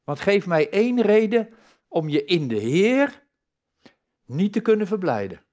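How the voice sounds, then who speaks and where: A man's voice: sits high, sing-song, a little slow, darkish tone. A man giving a sermon in a conversational way, asking the congregation rhetorical questions and stressing key words. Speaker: preacher.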